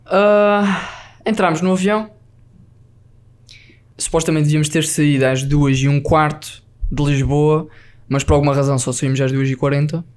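Slangy man with a slightly high voice. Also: normal speed. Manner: lively storyteller, slangy, mixes in English words. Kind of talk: casual podcast chat.

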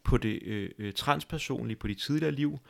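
A man hosting a conversation, speaking in a thoughtful, halting way with many restarts. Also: medium pitch, gravelly, darkish tone. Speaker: podcast host. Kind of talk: reflective conversation.

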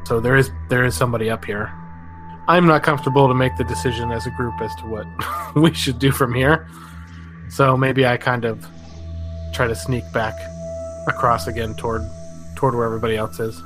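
A man's voice: mid-range voice, steady tone, a little fast, pauses often, music in the background. A man playing a tabletop game, talking casually and tentatively as he thinks aloud.

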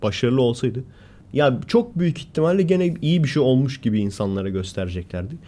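A man co-hosts a relaxed podcast conversation. His voice is warm and mellow, at a middle pitch. He tells stories with gusto, jumping up in pitch and volume when he acts out people shouting. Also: brisk. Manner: animated storyteller, acts out quoted shouting. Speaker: podcast co-host. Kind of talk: casual chat, storytelling.

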